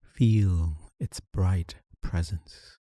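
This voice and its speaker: Deep, slow, dark-voiced meditation guide, a man. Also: no room sound, clean studio sound. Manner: soothing, unhurried instruction with long pauses. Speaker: meditation teacher.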